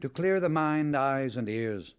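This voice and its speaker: A man's voice: medium pitch, lively intonation, unhurried, clean tone. Man reading a spiritual audiobook, emphatic delivery. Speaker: audiobook narrator.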